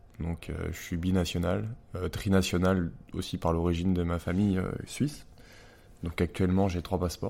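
With a dark, mellow tone and a very deep, low pitch, a man speaks at a moderate pace with ordinary pitch variation and long, frequent pauses. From France, Chamonix (French Alps). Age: 20s. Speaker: alpine ski racer. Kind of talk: interview. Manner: halting, many filler words.

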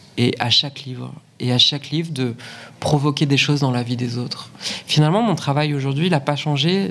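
Fairly quick delivery from a man with a fairly high voice and normal rises and falls in pitch. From French Alps, Chambéry. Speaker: children's author. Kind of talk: interview testimony. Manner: halting, many repetitions and fillers.

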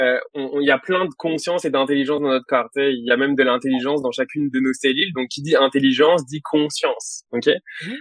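A man speaks at a fairly quick pace with hardly any pauses. His pitch is fairly high, and his intonation stays fairly even. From southern France, Saint-Raphaël. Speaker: Reiki master and energy coach. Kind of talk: casual interview.

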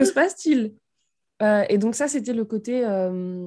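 A woman's fairly high, dark and mellow voice on a very clean recording with a silent background. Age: 30s. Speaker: marketing coach and entrepreneur. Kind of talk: casual chat.

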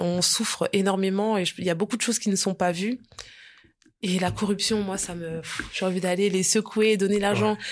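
The speech moves at a moderate pace. Its intonation is monotone and flat. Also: woman, medium pitch for a woman. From France, Metz (born in Gabon). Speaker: dancer and dance teacher. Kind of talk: casual interview.

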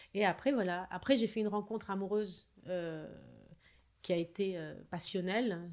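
Speaking with a plain, everyday voice, a woman keeps a moderate pace and a medium pitch, her pitch moving in an ordinary way. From abroad (Poland, Morocco) as French expatriate child. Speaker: tango dancer and teacher. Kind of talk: interview conversation.

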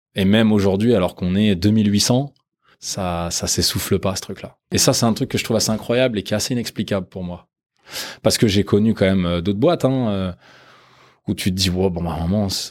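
Speaking at a moderate pace, a man with a normal speaking voice has a fairly low pitch and ordinary pitch variation. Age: 30s. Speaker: sales director, former footballer. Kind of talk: interview.

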